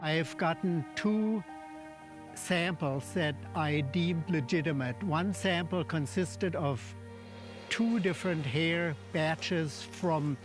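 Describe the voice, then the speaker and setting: An older man speaks as an expert in a documentary interview, in a slightly high voice. He explains things precisely and formally, choosing his words with deliberation, while music plays clearly underneath. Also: slow.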